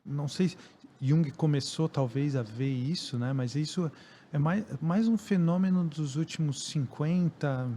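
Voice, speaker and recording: A man speaks as a podcast guest in a mellow, dark-toned voice. He thinks aloud slowly and hedges his ideas, with a faint hiss of noise behind him. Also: on the high side. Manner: thoughtful, hedging, slow. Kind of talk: reflective conversation.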